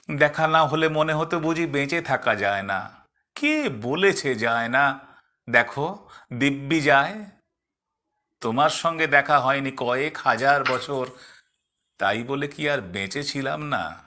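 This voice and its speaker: A man reciting poetry in a dramatic, expressive way, in measured phrases set apart by pauses. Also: on the high side.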